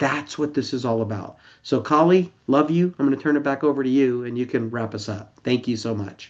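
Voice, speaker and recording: Against a quiet background, a man talks at a fairly quick pace with an animated tone and hardly any pauses, his medium pitch showing ordinary variation. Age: 50s. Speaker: network marketing leader. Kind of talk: motivational sales talk.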